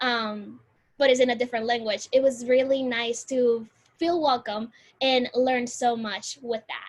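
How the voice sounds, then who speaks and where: A woman speaks in a Spanish accent at a high pitch. Her pace is fairly slow and her intonation fairly even. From Puerto Rico. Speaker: university student. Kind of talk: presentation to new students. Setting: recorded virtual orientation. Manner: casual with many fillers.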